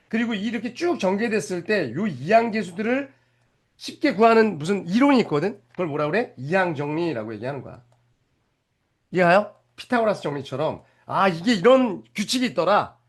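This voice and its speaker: A male math teacher giving a lively lecture, explaining step by step and often stopping to ask whether the students are following. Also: high-pitched. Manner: animated, keeps checking if students follow; explains step by step with rhetorical questions.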